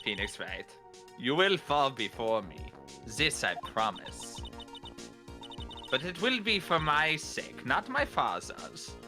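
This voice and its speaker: A man voicing a cold, proud young female prosecutor with a put-on German accent and slow, menacing delivery. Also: mid-range voice, very animated, over music, pitched below the performer's own voice.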